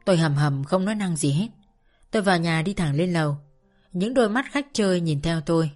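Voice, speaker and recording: Woman calmly narrating a story. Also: fairly low pitch. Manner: calm, measured first-person storytelling. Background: faint music.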